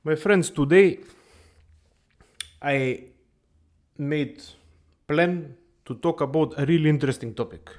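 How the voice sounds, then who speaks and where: A man hosts a comedy finance show in a playful, overdone way. His voice sits a bit high for a man, and he keeps circling back to "my friends.". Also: takes it slowly, long pauses, darkish tone. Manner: playful exaggerated Balkan-English delivery, repeats "my friends". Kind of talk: comedic character monologue.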